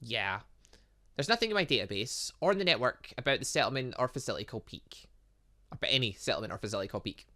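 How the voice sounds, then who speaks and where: A man's voice: mid-range voice, big pitch swings, fast talker, bright, forceful tone, voice pushed down. A man voicing curious, skeptical young students from a fantasy visual novel game, conversational and questioning. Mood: matter-of-fact. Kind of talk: reading visual novel game dialogue aloud.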